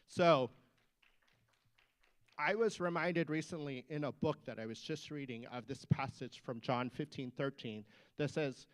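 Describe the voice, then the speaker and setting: A man's voice: mid-range voice, a little slow. A man who is a physician giving an emphatic rally speech inside a state capitol building and urging the audience on. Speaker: physician speaker.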